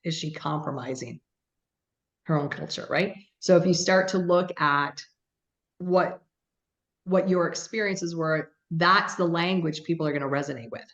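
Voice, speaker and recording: A woman's voice: low-pitched, measured pace, fairly bright tone, lo-fi sound. A woman business coach in a conversational coaching session, guiding with questions and often checking in with "right?". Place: video call.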